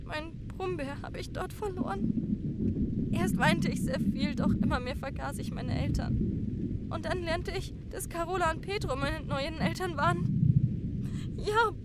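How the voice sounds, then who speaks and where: A frightened young woman with a very high, girlish pitch, speaking slowly in a crime audio play. She sounds haunted, and clear train noise runs behind her. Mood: haunted, remembering. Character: frightened young kidnapped woman recovering childhood memories. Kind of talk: German crime audio drama acting. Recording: noisy train ambience behind voice.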